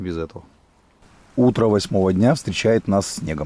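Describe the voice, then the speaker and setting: A man talks at a fairly quick pace with a fairly low pitch and lively intonation. His tone is dark and mellow. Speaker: outdoor vlogger. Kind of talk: vlog narration.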